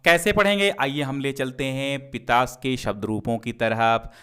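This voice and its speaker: A man's voice: mid-range voice, unhurried, a bit bright, smooth. A man teaching an exam-prep lesson, walking through answers and often checking in with the class, at times chanting word forms in a sing-song. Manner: checks in often with "theek hai".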